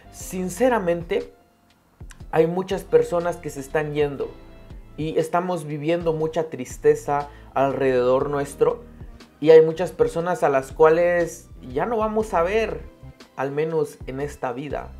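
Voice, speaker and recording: A man giving an earnest, emphatic devotional talk with frequent pauses, reading a Bible passage as a Christian speaker. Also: a little high, darkish tone.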